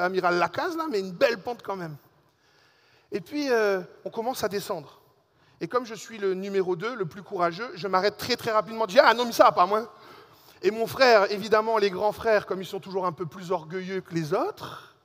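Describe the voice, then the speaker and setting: A man preaching a sermon as a pastor, telling a personal story in a lively way and speaking directly to the congregation. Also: sits high, big-room sound. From Alsace and Réunion. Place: church hall.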